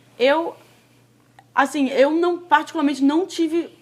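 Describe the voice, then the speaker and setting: A woman speaks at a moderate pace. Her high voice moves with lively intonation. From Brazil, Rio de Janeiro. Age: 20s. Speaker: film producer. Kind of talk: casual interview.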